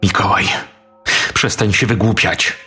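A man voicing a stern older woman preschool teacher in a spoken horror story, commanding and brisk. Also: on the low side, fairly even intonation, bright, forceful tone, slightly rough, faint music behind, heavily acted. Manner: commanding, thundering.

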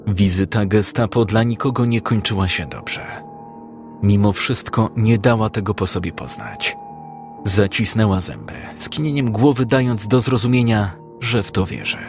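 A male narrator reading a dramatic story in a calm, measured way. His voice sits on the low side, and soft music plays faintly beneath the narration. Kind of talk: scripted audiobook narration.

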